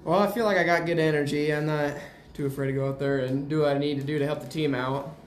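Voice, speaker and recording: A man's voice: fairly high pitch, fairly even intonation, fast. A teenage young man giving casual, modest, plain-spoken interview answers as a basketball player. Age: teens. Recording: roomy, echoing, faint noise.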